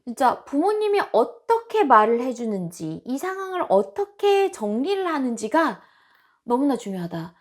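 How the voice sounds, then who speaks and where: A woman's voice: high voice, normal speed. A woman hosting a self-improvement channel, talking casually and expressively to her viewers. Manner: animated and expressive, with acted-out quotes.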